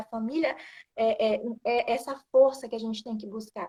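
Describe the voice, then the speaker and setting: A woman talks in a high voice, keeping to a moderate tempo. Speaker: Sunday school teacher. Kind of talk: Bible class talk on video stream.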